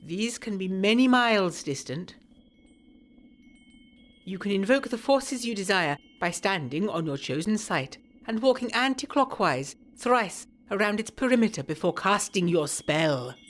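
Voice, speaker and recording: Woman doing a spooky commanding lady clairvoyant, measured and portentous, swoopy pitch, gothic drama. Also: lively intonation, close to an everyday voice. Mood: instructing. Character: commanding, mysterious female clairvoyant giving occult instructions. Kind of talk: quoted character in a gothic audio drama.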